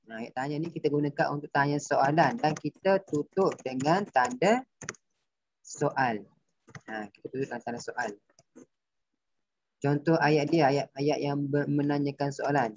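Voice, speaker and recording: A man's voice: a little high, a little slow, long pauses, a little mellow, slight background noise. A male primary school teacher with a Malaysian Malay accent, patiently explaining a grammar lesson and quizzing his pupils. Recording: dull dry lo-fi recording.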